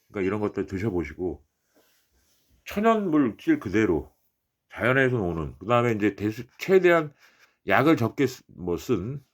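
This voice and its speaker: A middle-aged man speaks off the cuff to his online viewers about health. His voice sits fairly low but moves up and down a great deal. He is emphatic and repeats his polite instructions to drive them home. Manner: emphatic, repetitive, polite exhortations. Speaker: vlogger giving health advice. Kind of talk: unscripted direct address to viewers, folk health advice.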